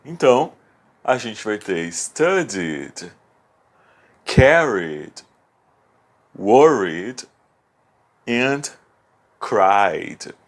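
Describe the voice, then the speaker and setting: Slow, patient low-voiced male teacher. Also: big pitch swings. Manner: patient, step-by-step, repeats key words slowly. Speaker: English teacher. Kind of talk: video lesson explanation.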